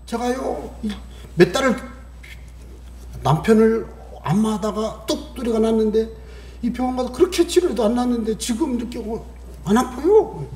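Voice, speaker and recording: A middle-aged male pastor preaches with a high voice that swings widely in pitch, with a warm, mellow tone. He keeps asking the congregation questions and plays out little scenes in other voices. The sound rings in an echoey church hall. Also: moderate pace. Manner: animated preaching, acts out family voices and asks the congregation questions. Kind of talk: sermon.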